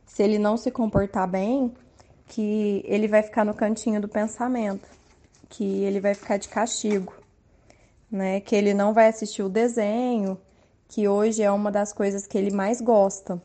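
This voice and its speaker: A woman in her thirties with a Brazilian Portuguese accent talks about raising her child. Her voice is mellow and sits at a middle pitch. She speaks softly and without hurry, and keeps checking in with a gentle tag question. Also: little pitch movement. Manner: soft-spoken, unhurried, frequent tag questions. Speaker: mother sharing parenting tips. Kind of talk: calm personal testimony.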